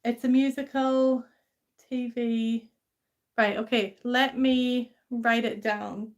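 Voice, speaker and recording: A woman's voice: on the high side, little pitch movement, takes it slowly. A young woman from England with a mixed English and Scottish accent, hosting a casual live stream and chatting with viewers in a rambling way, full of fillers. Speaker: livestream host. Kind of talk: casual live stream chat reading comments.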